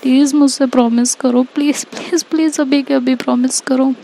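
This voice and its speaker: A woman's voice: high-pitched, steady tone, gravelly, dark tone, slight background noise, pitched above the performer's own voice. A woman voicing a sobbing, pleading young woman. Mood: begging. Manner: tearful, halting, begging. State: crying.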